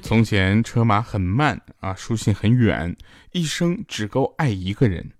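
A man's voice: fairly low pitch, animated, a little slow, no room sound, clean studio sound, faint music behind. A man hosting a podcast, telling jokes in a teasing comedy monologue and chuckling through his punchlines. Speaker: podcast host. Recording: loud hiss and clicks.

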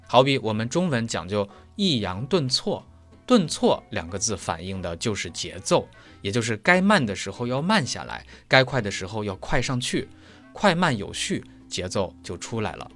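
A man's voice: lowish voice, sing-song, moderate pace, a bit bright, faint music behind. A male German teacher explaining pronunciation step by step, leaning on everyday analogies. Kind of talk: explanatory lesson.

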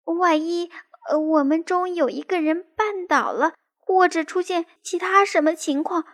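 A woman voicing a timid little boy mouse who trembles with fear, stammers and sometimes shouts, in a children's storybook. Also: extremely high pitch, a little slow. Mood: scared. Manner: fearful, trembling, breaks into shouts.

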